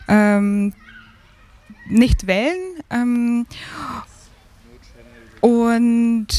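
Slow, hesitant woman from Ukraine. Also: on the high side, a little mellow, no echo. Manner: slow and hesitant, many fillers. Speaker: guest, migrant advisory council member. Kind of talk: radio interview.

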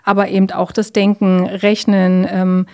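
Give me a calm woman with a mellow voice explaining things patiently in an interview. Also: mid-range voice, measured pace, clear, resonant tone. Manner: calm, explanatory, frequent fillers and tag questions.

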